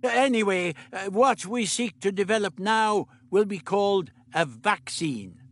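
A man reading an audiobook puts on a fussy, absent-minded old doctor with a raised, lively voice. He stammers, fusses and hurries people along in an old-fashioned way. His voice swings all over in pitch. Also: measured pace, exaggerated voice. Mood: explaining.

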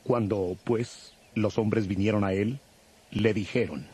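A man with a husky voice giving solemn scripted narration for a dramatized audio Bible. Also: fairly low pitch, steady tone, slow, darkish tone. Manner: solemn storytelling.

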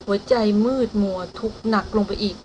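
A woman's voice: medium pitch, fairly even intonation, a little fast, darkish tone, a little hiss or hum, lightly acted, rough recording. A woman doing a blunt, protective older brother. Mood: firm.

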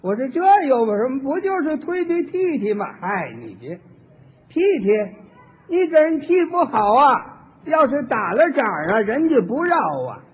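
Man, comic storyteller, acts out every speaker, husky tone, echoey hall, phone-thin archival radio sound. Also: extremely high pitch, unhurried. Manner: lively storyteller, acts out both sides of each exchange. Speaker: comic performer. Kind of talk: solo comic storytelling with character voices. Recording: tinny archival radio recording with long hall reverb.

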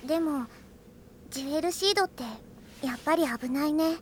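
A woman's voice: high voice, a little fast, darkish tone, a little hiss or hum, natural voice. A woman playing a cheerful, eager, earnest young girl learning magic in a Japanese anime audio drama, with a sweet childlike manner. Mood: relaxed, musing.

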